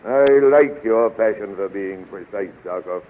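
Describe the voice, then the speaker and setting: An actor playing a genial, commanding Hawkman king in a 1930s radio serial, with a stately, measured delivery. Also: lowish voice, natural voice. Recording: scratchy, tinny 1930s radio recording.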